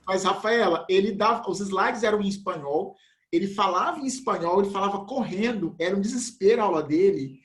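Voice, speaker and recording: A man's voice: high-pitched, brisk, fairly bright tone. A man teaching a biology class in a casual, slangy way. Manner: casual, slangy, says "velho" and "pessoal". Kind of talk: remote class, chatty explanation. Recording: echoey room.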